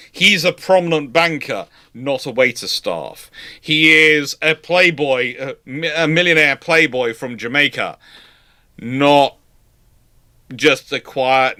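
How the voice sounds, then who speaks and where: This live stream host's voice is mid-range, bright, forceful and smooth. He's a British man in his forties leading a casual live Q&A, rambling at times and emphatic about his views.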